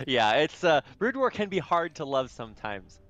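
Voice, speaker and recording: A man's voice: a little high, measured pace, dull audio. Chatty man casting a game. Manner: chatty and rambling, rising excitedly at action. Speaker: esports caster. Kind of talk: play-by-play commentary.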